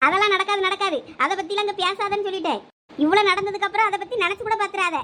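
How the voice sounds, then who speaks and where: A woman plays a sharp-tongued middle-aged elder sister in a cartoon family feud, with a Thoothukudi Tamil accent. Her very high, bright voice rattles off scolding quickly. She gives no ground. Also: fairly even intonation. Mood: defiant. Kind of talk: cartoon family drama voice acting.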